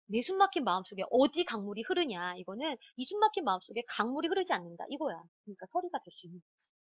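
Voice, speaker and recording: Brief: animated woman teacher for an exam-prep lecture, voice riding up and down, quizzing her students, dry close mic. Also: on the high side, dry recording, muffled recording. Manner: animated, talks straight to students, quick quizzing asides.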